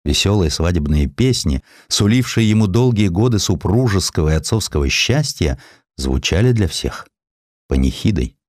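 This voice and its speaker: Low-voiced, highly expressive male storyteller. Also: normal speed, no room sound, studio quality. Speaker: audiobook narrator. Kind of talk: dramatized scripted narration of a historical story. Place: dry studio.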